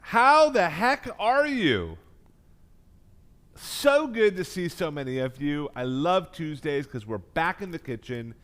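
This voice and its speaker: A man's voice: on the high side, very animated, slow, a bit bright. An American man hosting a live online cooking class as chef instructor, speaking with effusive, emphatic enthusiasm. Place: kitchen.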